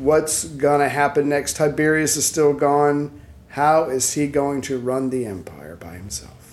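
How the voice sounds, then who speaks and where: Fairly slow and fairly high-pitched, this man has a normal speaking voice, ordinary pitch variation and big swings in loudness. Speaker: podcast co-host. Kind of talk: casual chat. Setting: hotel room.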